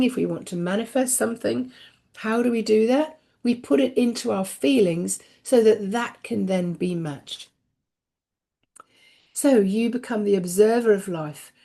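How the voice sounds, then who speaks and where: A woman hosting an oracle card reading, giving spiritual guidance in a soft, unhurried way that dwells on repeated phrases. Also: gravelly. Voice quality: deep voice. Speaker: host and oracle card reader.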